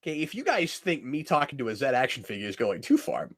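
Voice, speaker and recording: A man co-hosting a casual commentary chat, playful and animated, sometimes shouting silly character voices. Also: mid-range voice, fast. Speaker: podcast co-host.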